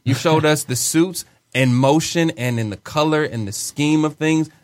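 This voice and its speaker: A man co-hosting a podcast, talking in an animated, slangy way as a fan. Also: on the high side, normal speed, no echo. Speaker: podcast co-host. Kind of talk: casual chat.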